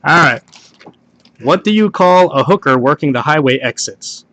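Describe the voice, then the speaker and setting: A man's voice: a little high, animated, normal speed, a bit bright, no room sound. A man reads party jokes aloud in a casual way, hosting a home video and sometimes stumbling over the text and rereading lines.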